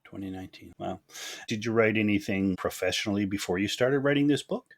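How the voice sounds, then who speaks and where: A man's voice: on the low side, brisk. A man hosting a podcast, asking questions in a chatty, friendly way. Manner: friendly, chatty, asks follow-ups. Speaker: podcast host. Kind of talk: casual interview questions.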